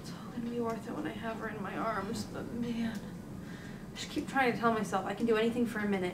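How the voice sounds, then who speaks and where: A woman talking with hardly any pauses against noticeable background noise. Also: fairly quick pace. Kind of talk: casual vlog chat. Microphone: camera far.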